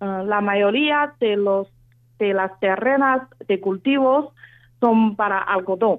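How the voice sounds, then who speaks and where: A woman with a Chinese accent, fairly high pitch, ordinary pitch variation, and a very slow pace. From China, Xinjiang. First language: Chinese (speaking Spanish). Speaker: interviewee. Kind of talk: radio interview. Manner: halting.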